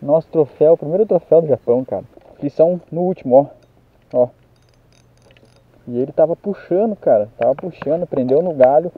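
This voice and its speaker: A young man with a Brazilian Portuguese accent, out of breath, talking excitedly to viewers as he lands a fish on a riverbank. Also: a little high, a little fast, long pauses, no room sound, phone-quality sound. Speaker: fishing vlogger. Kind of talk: excited outdoor fishing commentary. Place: outdoors on a riverbank. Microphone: handheld camera mic.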